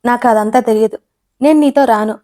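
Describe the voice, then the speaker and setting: A woman voicing a stubborn, quick-tempered young wife who snaps and argues in a storybook audio tale. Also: high voice, dry recording, studio quality, close to an everyday voice. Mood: angry. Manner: sharp, snappish.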